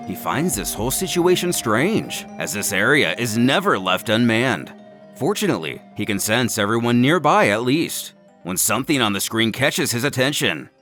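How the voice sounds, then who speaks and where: A man's voice: mid-range voice, fairly bright tone. A man delivers dramatic scripted narration with an intense, theatrical edge. His mid-range voice rises and falls widely. Faint music plays behind him.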